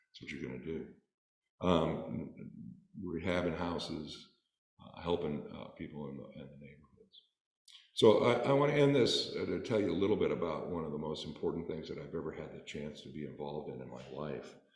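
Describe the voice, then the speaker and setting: A man with an American accent and a very deep, low pitch, at a fairly quick pace with ordinary pitch variation, big swings in loudness and audible room echo. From US Midwest, Des Moines Iowa. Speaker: lay speaker, historic preservationist. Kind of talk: talk to congregation. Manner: casual, storytelling.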